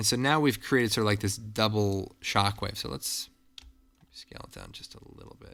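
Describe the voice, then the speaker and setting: Very clean and set against a silent background, this recording has a man with a normal speaking voice at a fairly low pitch and a moderate pace, ordinary pitch variation and big swings in loudness. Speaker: software tutorial instructor. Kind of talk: tutorial. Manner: casual, thinking aloud.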